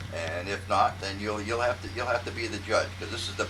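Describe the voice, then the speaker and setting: A man speaks with fairly low pitch and fairly even intonation. Noticeable background noise and audible room echo fill the recording. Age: 50s. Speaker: family member telling oral history. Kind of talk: casual chat. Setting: outdoors.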